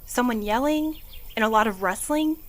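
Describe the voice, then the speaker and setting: A woman's voice: a little high, animated, moderate pace, close to an everyday voice. A woman playing a helpful, inquisitive friend in an audio drama, with a casual, explanatory way of talking. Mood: puzzled, explaining. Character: helpful, inquisitive female friend piecing things together. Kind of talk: audio drama dialogue, naturalistic.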